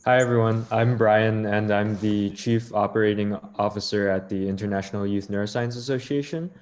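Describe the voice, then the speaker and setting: A man's voice: on the low side, steady tone, moderate pace, a little mellow. A young man giving a brief, friendly self-introduction over a video call. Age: young adult. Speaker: nonprofit officer.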